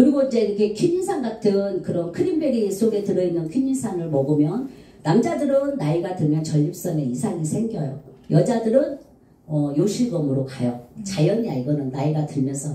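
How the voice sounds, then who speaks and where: A woman speaks at a moderate pace in a fairly low pitch, with very wide pitch swings. There is audible room echo. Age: 60s. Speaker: sales seminar speaker. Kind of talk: sales seminar talk. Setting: seminar with audience. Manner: conversational, casual.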